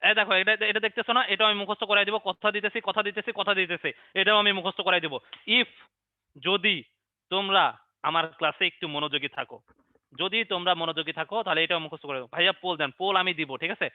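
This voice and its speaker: High-voiced man drilling biology by repetition. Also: fairly quick, no echo. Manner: repetitive question-and-answer drilling with memory tricks. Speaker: biology teacher. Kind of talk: online class lecture. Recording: dry, narrow phone-like online stream.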